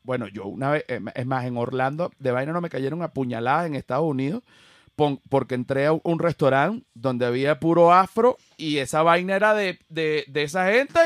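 A man's voice: fairly high pitch, moderate pace, fairly bright tone, no room sound, clean studio sound. A Venezuelan man with a Venezuelan Spanish accent, hosting a podcast in casual chat, blunt, slangy and joking. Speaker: podcast host.

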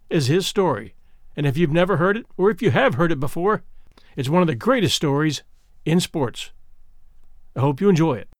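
A man's voice: a little high, dry recording, studio quality. A man hosting a podcast, giving a scripted introduction. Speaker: podcast host.

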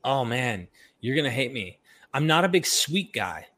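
A man's voice: mid-range voice, very animated, moderate pace, sharp tone. A man from North Carolina with a mixed Southern and Northern US accent, a friendly, self-deprecating guest in a casual chat.

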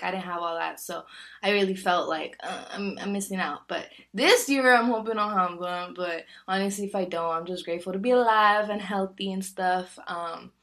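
A woman's voice: mid-range voice, a bit bright. Chatty, candid woman in her twenties. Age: 20s. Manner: chatty, candid, laughs often, many fillers. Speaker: podcast host. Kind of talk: casual solo podcast chat.

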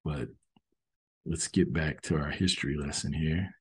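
A man's voice: a bass voice, fairly even intonation, measured pace, slightly rough. A man rambling earnestly in a casual monologue, often saying "you know", as the host of a show about history. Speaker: host commenting on history videos.

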